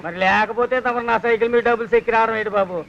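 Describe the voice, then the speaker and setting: A man's voice: extremely high pitch, fairly even intonation, rapid-fire, vocal fry, a little hiss or hum. An actor playing a cheeky male servant who teases his master with mock respect. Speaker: film actor. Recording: dull lo-fi film soundtrack.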